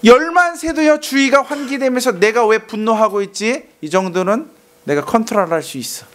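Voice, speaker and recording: A male pastor preaching a sermon to young adults, animated, acting out angry outbursts and asking the congregation to repeat after him. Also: very high-pitched, normal speed. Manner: animated, acts out angry outbursts and calls for repetition.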